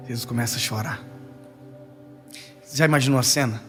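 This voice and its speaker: A man's voice: medium pitch, measured pace, music in the background. A young man preaching a sermon in Brazilian Portuguese, telling stories animatedly and acting out the quotes. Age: young adult. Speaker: pastor.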